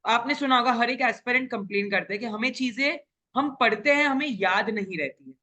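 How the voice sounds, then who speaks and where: A young man who was a top-ranked exam guest explains his study methods earnestly and step by step during a casual interview chat, mixing in English. His very high voice is bright and forceful, and he speaks briskly.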